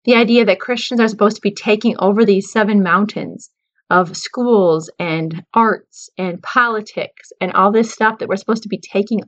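A woman's voice: medium pitch, lo-fi sound. A woman in her thirties talking earnestly and with worry to her viewers, calling them guys. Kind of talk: casual talk to camera.

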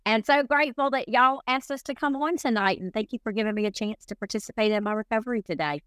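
A woman's voice: a little high, quick pace, a bit bright, clear, resonant tone, dry recording. A woman speaking conversationally as a podcast guest, introducing herself. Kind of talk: personal recovery introduction, conversational.

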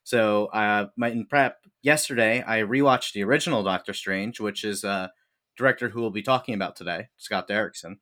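A man's voice: on the low side, normal speed, sharp tone. A man co-hosting a podcast, giving blunt opinions in casual conversation. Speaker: podcast co-host.

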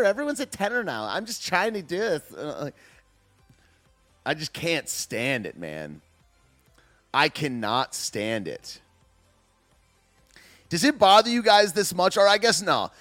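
A man with a slight lisp hosts a rambling, scoffing reaction stream. He sits a bit above the usual male pitch and swings it up and down a lot. Faint music plays under his voice. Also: a bit bright. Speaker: streamer host. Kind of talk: casual reaction commentary.

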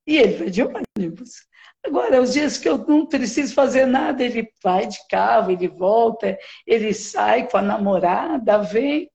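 A middle-aged woman sharing a personal testimony in conversation, talking haltingly with many restarts and tag questions. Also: fairly high pitch, animated, vocal fry, darkish tone. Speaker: mentoring client sharing her story.

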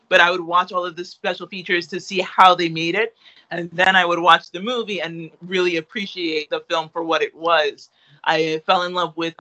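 Young male interviewee, high and bright, rambling casual talk, slightly muffled audio. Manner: rambling, lots of fillers and restarts, laughs easily. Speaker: interviewee, artist.

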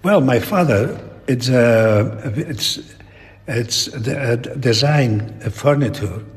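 A very old man with a Spanish accent, talking reflectively in an interview in halting, broken English with repeated words. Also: mid-range voice, animated. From Spain. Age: elderly. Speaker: painter being interviewed. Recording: long echoing reverb in a hall.

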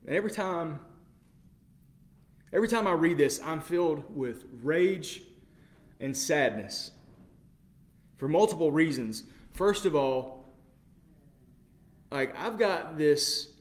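A man preaching a sermon with passion, moving between quiet, measured passages and loud, incredulous outbursts. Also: fairly high pitch, animated. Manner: impassioned, swings from quiet to loud exclamation.

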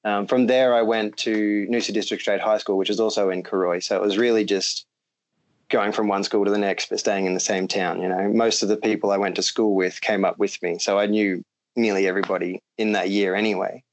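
A man's voice: fairly low pitch, fairly quick, poor audio. A young Australian man talking casually as a podcast guest, rambling with lots of ums and easy laughs. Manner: relaxed, rambling with many ums, laughs easily.

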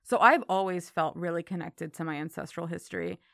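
A woman's voice: on the low side, fairly quick, gravelly, a bit bright, no room sound, studio quality. A woman from Miami in her thirties with an American accent, telling her story casually as an interview guest. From Miami, Florida.

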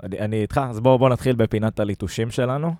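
A man's voice: on the low side, mellow, no room sound. A man hosting a casual football fan podcast, talking conversationally and weighing things up as he goes. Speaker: podcast host.

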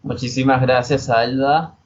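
A man in his twenties from Venezuela with a Venezuelan accent, a Spanish teacher being interviewed on a podcast, explaining in a relaxed way. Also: medium pitch, measured pace, lo-fi sound. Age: 20s.

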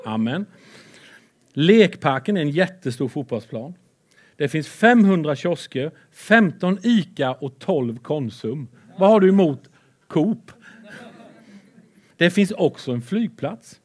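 Man, preacher, excitable and playful, slightly high voice, loud then soft. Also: pauses often. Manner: excitable, playful, swings between loud and quiet. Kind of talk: lively sermon with Bible readings.

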